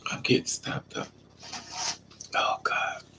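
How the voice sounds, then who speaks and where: A man's voice: slow, whispered. A man with a stuffy nose from a coming cold, chatting casually on a live stream and answering viewers' comments. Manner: relaxed, chatty, talks back to commenters.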